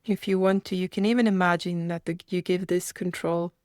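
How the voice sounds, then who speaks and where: A woman leads a guided meditation in a slightly low voice. She phrases things as gentle invitations and leaves reflective pauses between them. The sound is very dry, with no room around it. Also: steady tone, dry recording.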